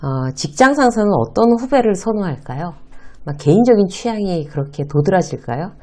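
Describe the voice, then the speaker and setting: A woman's voice: medium pitch, expressive, a little fast, darkish tone. A woman hosting a lesson on workplace advice, asking and answering her own questions and acting out short exchanges. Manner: acts out short quoted exchanges. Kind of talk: talk-style lesson to viewers.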